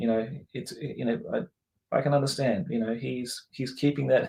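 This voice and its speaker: A somewhat breathy voice at a moderate pace. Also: man. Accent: Australian. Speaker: gaming hobby YouTuber. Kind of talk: casual live stream chat.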